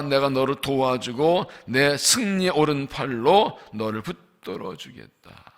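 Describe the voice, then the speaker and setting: A man preaching as senior pastor at a dawn revival service in a church, emphatic, asking the congregation questions and slowly stressing scripture lines. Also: mid-range voice, a bit bright. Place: church sanctuary.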